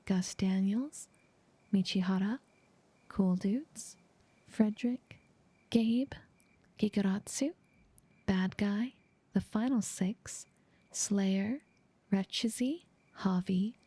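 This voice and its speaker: A woman ASMR creator with a soft, breathy, whispery voice, reading out thanks in an outro. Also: mid-range voice, slow pace, long pauses, no echo.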